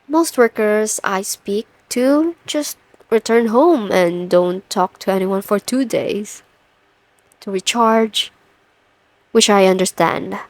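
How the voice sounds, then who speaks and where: Woman acting a slow-spoken, stern, overworked boss lady. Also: medium pitch, no room sound. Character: stern, overworked female CEO, pent-up and dryly menacing. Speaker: audio roleplay voice performer. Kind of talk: ASMR roleplay acting.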